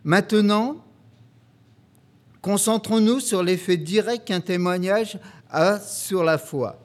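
A man's voice: sits high, takes it slowly. A man preaching a church sermon and reading scripture passages aloud. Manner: earnest, reads scripture aloud steadily.

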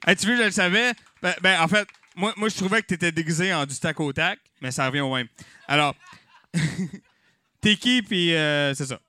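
Québécois guy hosting a comedy night, high bright voice, loud jokey swearing. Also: normal speed, dry recording. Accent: Québécois French. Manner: rowdy, swearing, joking with the crowd. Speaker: host of a live comedy night. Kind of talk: improvised stand-up hosting with mock auction. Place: live venue with audience.

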